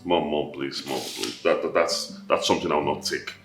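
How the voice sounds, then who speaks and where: A young married son, played by an actor, pleads with his mother and defends his wife. His voice is very deep and low-pitched. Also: moderate pace, echoey room, soft background music. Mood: pleading.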